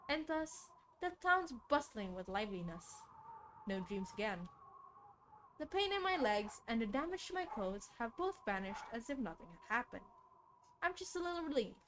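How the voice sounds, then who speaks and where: A woman game streamer reading a visual novel aloud in an expressive, dramatic storytelling style. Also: on the high side, a little hiss or hum. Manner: expressive, dramatic read-aloud with casual asides. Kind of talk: soft storytelling narration. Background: game music.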